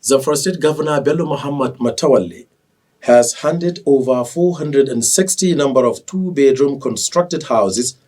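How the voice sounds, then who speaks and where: A Nigerian man reading scripted television news as anchor, in a formal, measured manner. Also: mid-range voice, a little mellow, slightly rough, far from the mic.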